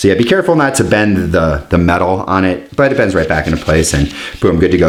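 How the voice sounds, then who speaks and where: A man's very deep, low voice with lively intonation over noticeable background noise. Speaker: tech reviewer. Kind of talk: tutorial talk to camera. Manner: casual.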